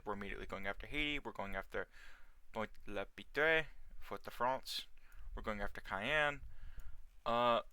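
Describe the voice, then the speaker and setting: A man giving casual, unhurried let's play commentary in a slightly hoarse, sore voice, recorded as a voice-over. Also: mid-range voice, sharp tone, no room sound. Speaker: host of a video game series. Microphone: close dry mic, gameplay voice-over.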